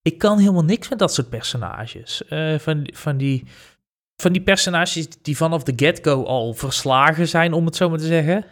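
A man's voice: fairly high pitch, normal speed, a bit bright. A man co-hosting a casual podcast chat, rambling and hesitant, with many fillers. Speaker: podcast co-host.

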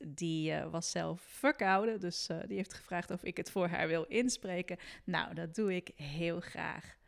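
A woman hosting a podcast in a conversational presenting style. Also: on the low side. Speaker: podcast host. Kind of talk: conversational podcast presenting with short read-aloud story.

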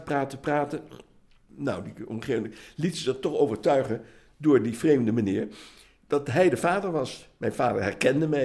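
A man in his eighties from the Netherlands, giving personal testimony, halting with frequent restarts and lively when retelling scenes. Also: medium pitch. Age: 80s. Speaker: interviewee.

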